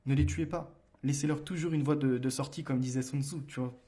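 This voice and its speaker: A man hosts a solo commentary show in a steady, mid-range voice, a little fast, over a noisy background. He's argumentative, challenging listeners directly with rhetorical questions and reading book passages aloud. He hesitates and restarts often.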